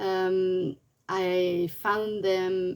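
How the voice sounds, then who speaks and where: A woman with a French accent, medium in pitch. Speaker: craft vlogger. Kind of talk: show-and-tell craft vlog. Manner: halting, many fillers.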